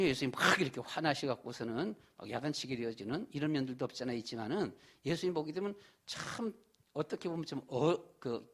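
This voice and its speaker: Man preaching a folksy sermon. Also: on the high side. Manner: folksy, repetitive preaching with many "보게 되면" fillers. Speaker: pastor. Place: church sanctuary.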